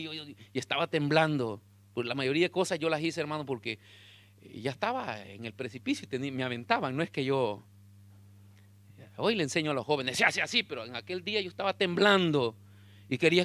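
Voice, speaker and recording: A man preaching a sermon as pastor, telling a story in an animated way and calling his listeners brother. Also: on the high side, no room sound.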